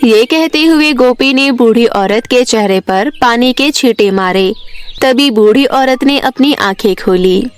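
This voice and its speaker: A woman's voice: a little high, measured pace, clear, resonant tone. A woman giving scripted narration of a bedtime story for children.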